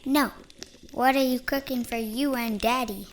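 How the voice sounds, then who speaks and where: An actress playing an excitable little boy in an audio drama, talking to his mother in simple, childish phrases. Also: on the high side, moderate pace, lightly acted. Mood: whiny, curious. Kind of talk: audio horror drama character acting. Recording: music behind the voice.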